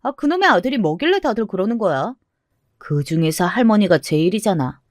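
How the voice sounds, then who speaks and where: Storybook casting: a woman doing a teasing older girl cousin, lively and mocking, dry close mic. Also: medium pitch, a little fast, dry recording, close to an everyday voice. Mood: irritated.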